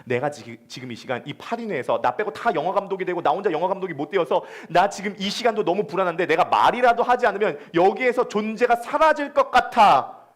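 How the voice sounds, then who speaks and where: A man voicing a middle-aged, anxious film director who has been out of work for years, speaking in a hushed, confiding way. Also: sits high, animated, fast.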